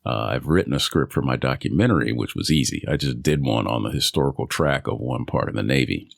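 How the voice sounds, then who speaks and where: Very deep gravelly man, dry close mic. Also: a little fast, no echo. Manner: rambling, relaxed, with self-amused laughs. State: recovering from a cold. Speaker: voice actor. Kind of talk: casual solo vlog. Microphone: studio microphone.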